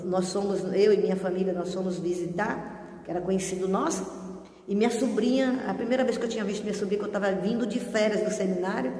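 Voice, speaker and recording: A woman's voice: mid-range voice, steady tone, quick pace, warm tone. A woman pastor preaching a sermon, praying fervently with repeated rebukes and telling a testimony with many restarts. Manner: fervent, repetitive rebuking prayer. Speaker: pastor and missionary. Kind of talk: sermon with deliverance prayer. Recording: echoey hall with long reverb.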